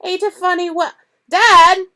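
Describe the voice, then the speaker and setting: A woman's voice: extremely high pitch, steady tone, a little slow, sharp tone, voice pushed up, exaggerated voice. A woman voicing a spoiled, demanding boy with a whiny tone.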